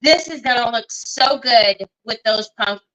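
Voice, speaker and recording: Chatty high-voiced woman hosting a craft stream. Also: unhurried, fairly bright tone, low-quality recording. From Northern California. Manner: chatty, greets viewers by name. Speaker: craft livestream host. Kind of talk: casual livestream craft demo. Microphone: computer mic on a livestream.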